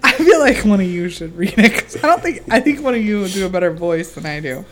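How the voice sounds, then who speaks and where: A woman's voice: medium pitch, expressive, fast. A woman in her thirties, co-hosting a podcast, chatting casually, giggly and a little unsure of herself. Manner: giggly, hesitant. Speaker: podcast co-host. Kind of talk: casual chat.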